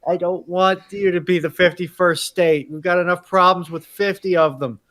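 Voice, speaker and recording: Male co-host, fairly high and forceful voice, informal livestream talk. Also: steady tone, moderate pace. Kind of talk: casual livestream chat.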